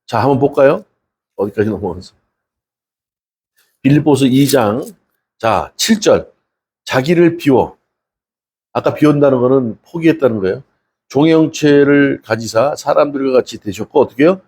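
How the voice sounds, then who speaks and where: Speaking at a normal pace with long pauses, this male pastor has a medium-pitched, expressive voice that's a little mellow and slightly rough. His sermon is conversational, packed with rhetorical questions for the congregation, and he casually acts out the people he quotes in his stories.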